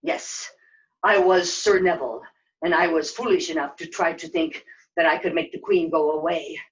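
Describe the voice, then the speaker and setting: Woman playing a gentle, earnest fatherly knight. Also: deep voice, far from the mic, lo-fi sound, pitched below the performer's own voice, natural voice. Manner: measured, instructive, reassuring. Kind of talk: live puppet show storytelling.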